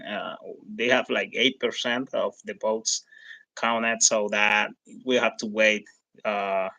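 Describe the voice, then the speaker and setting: A man with a Hispanic accent and native Spanish delivers live commentary in a fairly low voice with a bright, forceful edge. He talks haltingly, hunting for the next word as he addresses his viewers. The sound is dry and close, with little room around it. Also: no echo, rough recording. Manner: halting, searching for words. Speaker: livestream host.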